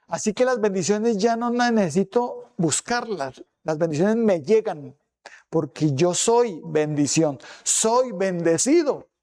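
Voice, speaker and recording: A man with a dark, mellow tone speaks at a high pitch and a very slow pace with lively intonation. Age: 60s. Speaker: pastor. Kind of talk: sermon.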